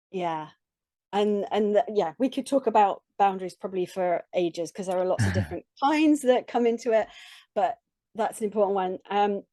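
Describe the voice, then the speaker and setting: A middle-aged woman coach talks with a mellow, warm voice in a dry, close recording. She is earnest and reflective, building her points in short halting phrases with restarts. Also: medium pitch, no room sound. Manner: earnest, reflective, with frequent soft laughs. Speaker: relationship coach, podcast guest. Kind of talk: conversational interview.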